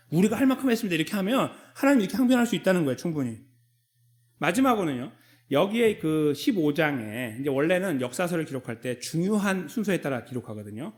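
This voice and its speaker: A man preaching a Sunday sermon as a pastor, in a conversational way, acting out short dialogues between God and the people. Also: a little high. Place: church sanctuary.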